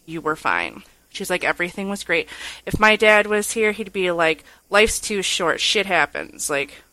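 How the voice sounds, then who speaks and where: A woman's voice: mid-range voice, sing-song, measured pace, pushed and bright, dry recording, rough recording. A woman co-hosting a podcast, telling personal stories casually in a candid, self-deprecating and sincere way. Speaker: podcast co-host.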